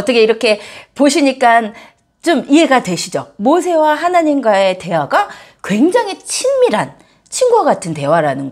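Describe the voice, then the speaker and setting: A woman pastor giving a church sermon, animated and joking, speaking directly to her congregation. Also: medium pitch, slightly rough. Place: church service.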